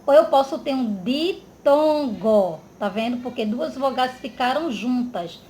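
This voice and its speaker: Woman teacher, slow and patient, slightly high voice, echoey room with faint noise. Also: lively intonation, dark tone. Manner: slow, drawn-out, checks in with "tá?". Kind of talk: children's grammar lesson.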